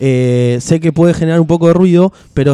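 A man at a moderate pace, with ordinary pitch variation, a dark, mellow tone, and a dry, close sound with no echo. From Uruguay (Montevideo). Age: 20s. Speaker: radio host. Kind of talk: debate; casual chat.

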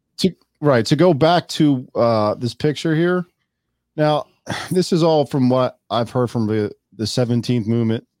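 A normal speaking voice moves at a fairly slow pace with lively intonation. The recording is very clean over a silent background, with a dry, close sound and no echo. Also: man, medium pitch for a man. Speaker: podcast host. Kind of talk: casual banter podcast. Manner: joking, irreverent.

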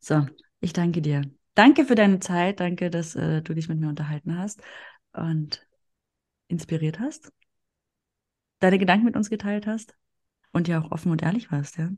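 Somewhat breathy and fairly low in pitch, a woman speaks at a moderate pace with ordinary pitch variation and long, frequent pauses. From eastern Germany, near Polish border. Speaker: podcast host. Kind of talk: casual interview.

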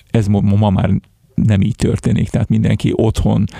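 With noticeable background noise behind him, a man speaks fairly quickly at a fairly low pitch. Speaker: musician and radiologist. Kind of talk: interview.

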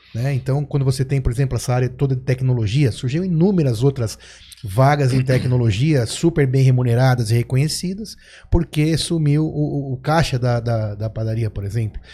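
At a moderate pace, a man speaks with a medium pitch, a dark, mellow tone, a somewhat breathy quality and ordinary pitch variation. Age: 50s. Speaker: podcast host and physician. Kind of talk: podcast interview.

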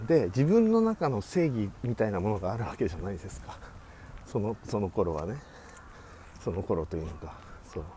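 A man's fairly low, dark, mellow, somewhat breathy voice at a fairly quick pace, with lively intonation, big swings in loudness, and long, frequent pauses. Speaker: qigong healer. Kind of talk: casual monologue. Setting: outdoors in a park. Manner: halting.

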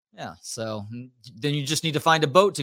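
His pitch moves in an ordinary way while he talks. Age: 40s. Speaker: sports radio host. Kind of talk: casual sports talk. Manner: loud.

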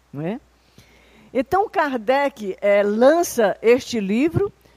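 This woman has a high pitch. She talks at a very slow pace. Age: 60s. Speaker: spiritist lecturer. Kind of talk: lecture. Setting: spiritist center with audience.

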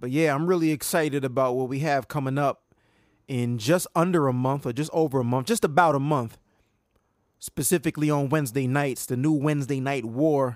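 On a very clean recording with a silent background, a man with a normal speaking voice talks at a fairly quick pace, fairly high in pitch, with ordinary pitch variation. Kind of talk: wrestling promo-style podcast intro, then casual chat. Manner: relaxed, jokey and laid-back while sipping beer.

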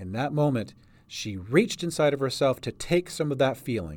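Someone reads aloud in a natural voice. Their intonation stays lively.

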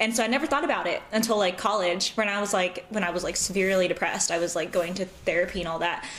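With an American accent, a woman talks at a very fast pace and with ordinary pitch variation while noticeable background noise plays. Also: medium pitch for a woman, hardly any pauses. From Southern California. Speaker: guest. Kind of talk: casual chat.

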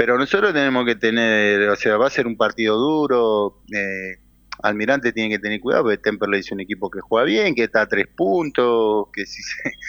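At a moderate pace, a man uses a normal speaking voice at medium pitch, the sound dry and close with no echo. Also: ordinary pitch variation. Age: 50s. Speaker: former footballer. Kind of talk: phone interview.

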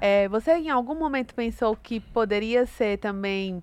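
Against a quiet background, a woman with an unremarkable speaking voice talks at a fairly high pitch. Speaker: podcast co-host. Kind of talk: casual interview.

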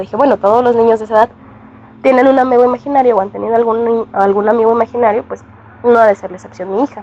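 Talking very fast, a woman with a fairly high voice and ordinary pitch variation swings widely in loudness, recorded dry and close with no echo. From Mexico, Querétaro. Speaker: mother telling a paranormal story. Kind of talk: first-person testimony.

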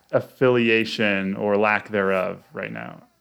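Against a quiet background, a man with an American accent talks at a very slow pace. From Oregon. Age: 30s. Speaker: podcast co-host. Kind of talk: casual chat.

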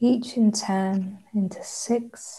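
With a British accent, the voice has a dark, mellow, soothing, gentle tone, is somewhat breathy, and keeps a monotone, flat intonation. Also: woman. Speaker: meditation guide. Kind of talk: guided meditation. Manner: slow, soothing and unhurried; soft, gentle and calming.

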